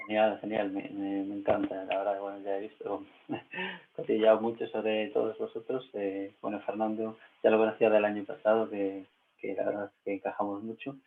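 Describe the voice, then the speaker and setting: A man with a Spanish accent from Spain, moderating a panel over a video call with a low voice and frequent hesitations. His audio comes through thin and tinny, like a phone line. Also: level tone, normal speed, vocal fry, a little hiss or hum. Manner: hesitant, many filler sounds. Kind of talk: casual online panel chat.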